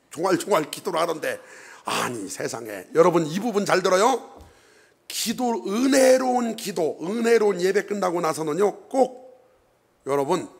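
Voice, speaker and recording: A male pastor preaches a lively sermon, often stopping to ask his congregation questions. His voice sits high and has a gravelly, husky edge. He swings between loud emphasis and quiet asides. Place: church.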